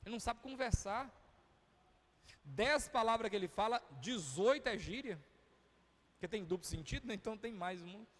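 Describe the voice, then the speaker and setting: A man's voice: sits high, lively intonation, normal speed, long pauses, a bit bright. A man with a Brazilian accent, a pastor preaching a sermon in a chatty, humorous storytelling way. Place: church. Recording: reverberant church hall.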